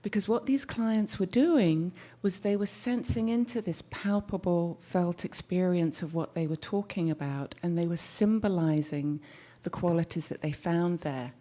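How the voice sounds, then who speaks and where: A soft-spoken woman, a therapist, presenting a talk to an audience through a microphone. She speaks thoughtfully and sometimes restarts as she searches for words. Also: lowish voice, normal speed. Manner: soft-spoken, leans in to the mic.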